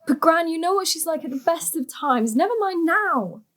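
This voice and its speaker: A woman's voice: very high voice, animated, moderate pace, a bit bright. A woman playing a sensible, anxious young granddaughter in an audio drama, plain-spoken and a little exasperated. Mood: worried. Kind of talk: stage-thriller audio drama acting.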